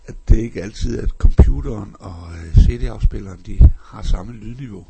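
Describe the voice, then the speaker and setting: A man's voice: fairly low pitch, gravelly, heavy background noise. A man at a local radio station, apologetically explaining a sound level problem in casual chat.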